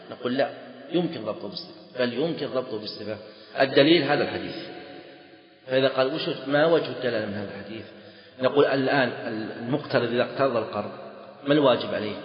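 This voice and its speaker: A man teaching a lesson on a legal text, explaining by repeating key phrases and checking whether the students understand. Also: medium pitch. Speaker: sheikh teaching fiqh. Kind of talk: classroom lecture on a legal text. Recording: echoey lecture hall, dull lo-fi sound.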